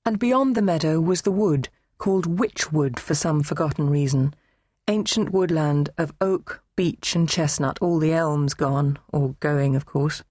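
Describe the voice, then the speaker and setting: A woman reading a novel aloud in first person, measured and composed. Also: deep voice, mellow, no room sound. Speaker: audiobook narrator. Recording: dry, close studio read.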